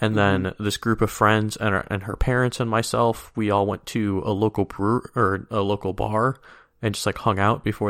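The intonation stays fairly even during this reading aloud in a natural voice.

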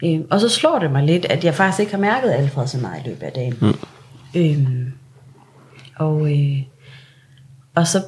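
A woman with a very deep, low pitch and a somewhat breathy voice speaks at a fairly slow pace, leaving long, frequent pauses. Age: 20s. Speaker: bereaved parent. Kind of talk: testimony.

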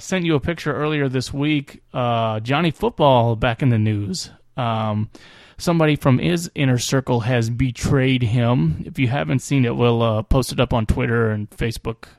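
In a plain, everyday voice, a medium-pitched man speaks at a moderate pace with ordinary pitch variation, the sound dry and close with no echo and a quiet background. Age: 30s. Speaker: sports podcast co-host. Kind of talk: casual chat.

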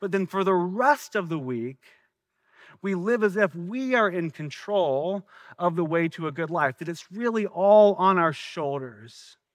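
With a Southern US accent, a man with a high pitch speaks at a fairly slow pace with lively intonation, in a dry, close sound with no echo. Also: quiet background. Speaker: senior pastor. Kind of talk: sermon. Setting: church.

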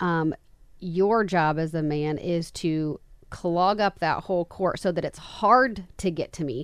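At a fairly slow pace, a woman with an ordinary speaking voice talks at a fairly low pitch with ordinary pitch variation against a quiet background. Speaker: podcast co-host, pickleball player. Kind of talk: casual podcast chat.

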